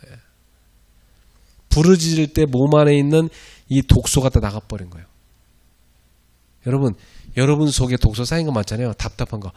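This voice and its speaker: A middle-aged pastor delivers his sermon in a lively, conversational manner, often laughing and bursting into loud, shouted prayers. His voice sits in the mid range, and he speaks at a moderate pace with long pauses.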